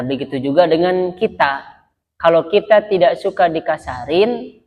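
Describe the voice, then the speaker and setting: A male Islamic preacher from Sumatra giving a casual religious lecture, talking conversationally and often addressing his listeners directly. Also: a little high. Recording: dull lo-fi recording.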